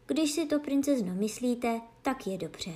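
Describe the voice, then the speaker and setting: A woman's voice: a little high, animated, mellow, lightly acted. A woman doing a shy, honest peasant boy. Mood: sad.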